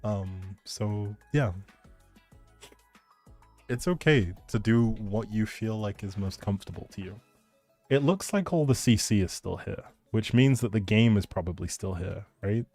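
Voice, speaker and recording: A live game streamer chats casually with his viewers, laid-back, informal and reassuring. His voice is fairly low and a little mellow, at a measured pace, with faint music in the background.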